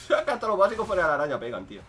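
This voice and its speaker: A young man giving casual, joking commentary over his own gameplay, swinging between loud outbursts and low muttering. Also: huge pitch swings, rapid-fire. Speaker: gaming streamer.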